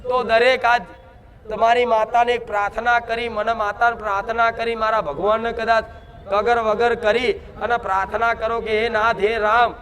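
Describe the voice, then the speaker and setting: A woman's voice: on the high side, flat delivery, normal speed, a bit bright. A woman preacher speaking as the Mother goddess, giving a devotional sermon in an emphatic way, full of rhetorical questions.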